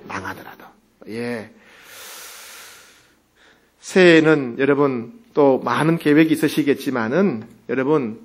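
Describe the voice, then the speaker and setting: A male pastor preaching a sermon, telling the story vividly and acting out its people. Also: mid-range voice.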